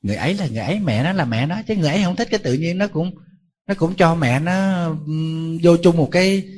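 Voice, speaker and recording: A man who is a Buddhist monk, giving a dharma talk full of lively stories and playful questions to his audience. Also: a little high, fast.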